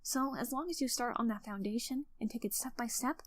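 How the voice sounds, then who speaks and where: A woman voicing an encouraging teenage girl club president from a visual novel game, speaking in an earnest, conversational, gently instructive way. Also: fairly high pitch, a little fast, lightly acted. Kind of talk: scripted character monologue of writing advice.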